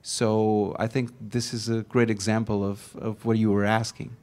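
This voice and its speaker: A man speaks in a fairly low voice at a panel Q&A. He tells stories earnestly, stumbling and restarting his sentences as he searches for words. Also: flat delivery, darkish tone. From Portugal. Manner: earnest, halting with many restarts. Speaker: actor. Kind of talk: casual recollection at a panel.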